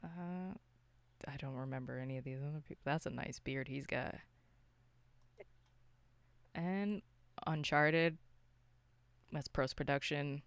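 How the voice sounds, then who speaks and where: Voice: medium pitch, clear, resonant tone, dry recording. A podcast co-host from Canada chatting casually about movies in an opinionated, slangy way.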